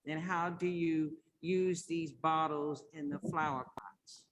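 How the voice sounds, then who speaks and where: Woman, Kittitian accent, organic farmer putting questions to presenters. Unhurried delivery, slightly noisy line. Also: low voice, steady tone. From Saint Kitts. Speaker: organic farmer, workshop participant. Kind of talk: asking questions in an online session.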